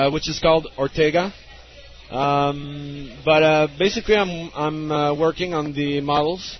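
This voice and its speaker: A man talks fairly slowly at a fairly high pitch with fairly even intonation, over noticeable background noise. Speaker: fan film special effects artist.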